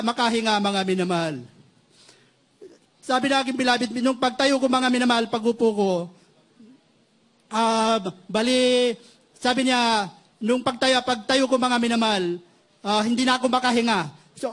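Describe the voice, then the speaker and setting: A middle-aged man from the Philippines giving a testimony to a church congregation, halting and restarting, filling pauses with a fond address to his listeners. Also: very high voice, a bit bright. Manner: halting, repeats "mga minamahal" constantly, many restarts.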